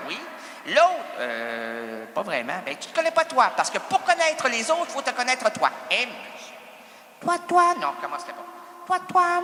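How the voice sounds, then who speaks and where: A man's voice: very high voice, sharp tone, roomy sound, big-room sound, a little hiss or hum. A man with a Québécois accent improvising a comic stage monologue, rambling, interrupting himself and teasing the audience. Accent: Québécois French. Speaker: improv performer and host.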